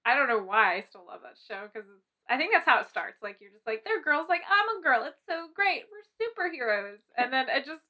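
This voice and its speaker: A woman's voice: high-pitched, big pitch swings, fairly quick, hardly any pauses, sharp tone. A young American woman co-hosting a podcast in casual chat, effusive and giggly in an informal way. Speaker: podcast co-host.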